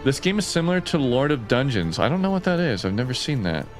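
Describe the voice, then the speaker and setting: A man doing casual live-stream commentary on game footage, reacting excitedly with bro-ish slang and swearing, like a frat bro. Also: mid-range voice, fast, over music. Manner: animated reactions with frequent laughing and swearing.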